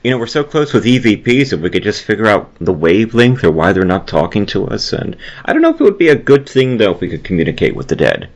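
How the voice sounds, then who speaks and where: A man's voice: lowish voice, huge pitch swings, fast talker, hardly any pauses. A man hosting a podcast interview, chatting casually in a rambling, musing way. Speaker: podcast host.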